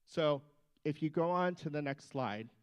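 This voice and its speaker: A man's voice: fairly high pitch, measured pace, clean tone. A man who is a physician giving an emphatic rally speech inside a state capitol building and urging the audience on. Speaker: physician speaker.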